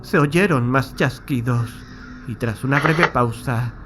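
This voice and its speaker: A man's voice: medium pitch, slow, over music. A man narrating a horror audiobook in the first person, with a solemn, literary, dramatic delivery.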